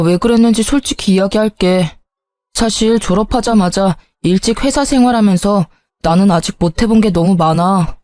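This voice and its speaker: A woman's voice: medium pitch, darkish tone, dry recording, lightly acted. A woman voicing an irritable young husband who brushes things off and scolds. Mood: apologetic. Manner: curt and scolding, then sheepish.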